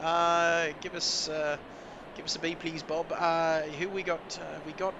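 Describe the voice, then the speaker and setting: A man's voice: a little high, flat delivery, unhurried, sharp tone, muffled recording, a little hiss or hum. A man hosting post-race driver interviews in a chatty, joking way with lots of fillers. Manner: chatty, jokey, many fillers.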